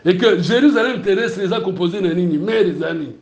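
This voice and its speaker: A man with a Congolese French accent preaching a sermon, teaching in lively bursts and often asking his congregation whether it is clear. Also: high voice, fairly quick, highs cut off. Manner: animated, asks the room if it is clear, laughs between points. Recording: roomy, echoey hall.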